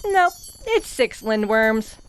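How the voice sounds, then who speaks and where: A woman acts a young adventurer in a fantasy audio drama. The voice is a bit high and very animated, plucky with a wry edge, recorded without room echo. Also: slow, clear, resonant tone. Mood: wry, casual.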